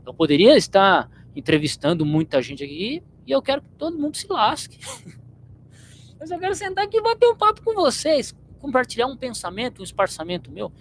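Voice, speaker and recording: A man's voice: very high voice, wildly swooping pitch, moderate pace, slight background noise, poor audio. A man from São state, hosting his channel in a blunt, slangy, rambling monologue to viewers. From São Paulo state, Brazil. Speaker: channel host.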